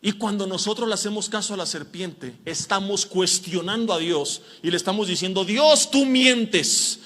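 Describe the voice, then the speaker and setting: Mexican male pastor, high bright tone, lively sermon with mocking impressions, reverberant hall. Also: a little fast. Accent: Mexican Spanish. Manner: animated, mimics voices of tempters and complainers.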